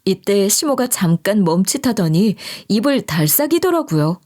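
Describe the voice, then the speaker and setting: A woman reading a first-person story aloud in an expressive, conversational narration style. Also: mid-range voice, normal speed.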